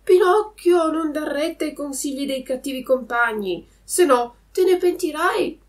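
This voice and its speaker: Woman voicing a blackbird, shrill, very high, loud, storybook warning. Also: measured pace, far from the mic.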